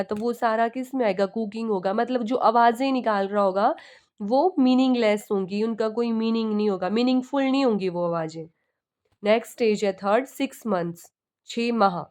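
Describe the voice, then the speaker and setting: A woman's voice: medium pitch, darkish tone. A young woman teaching an exam-prep lecture in with terms, explaining step by step and asking and answering her own questions.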